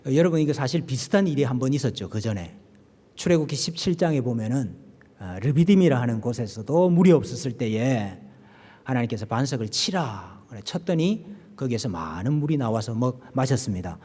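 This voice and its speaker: A male pastor preaching a sermon in a church, slowing down and swelling his voice when he quotes scripture. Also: mid-range voice, very animated, mellow. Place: church sanctuary. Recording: long hall reverb.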